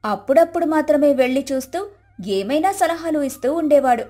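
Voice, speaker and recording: Female storyteller, high voice, scripted moral-tale narration over music. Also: darkish tone.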